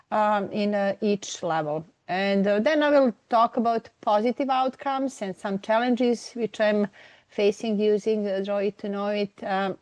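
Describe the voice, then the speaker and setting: Serbian-accented woman, halting academic talk. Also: medium pitch, a little mellow, no echo. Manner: halting, many fillers and restarts. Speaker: professor. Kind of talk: academic webinar presentation.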